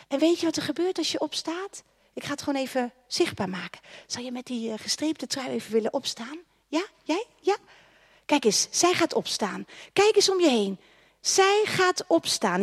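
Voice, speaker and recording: A woman's voice: sits high, very animated, moderate pace. A woman preaching a sermon to a congregation, impassioned, with repeated declarations and commands. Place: church hall with congregation.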